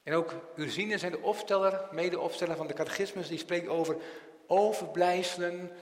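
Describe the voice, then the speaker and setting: Slightly high-voiced preacher in an echoey hall. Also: male voice, steady tone, moderate pace. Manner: rhetorical questions, frequent tag "hè", strong swings in loudness. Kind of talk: catechism sermon.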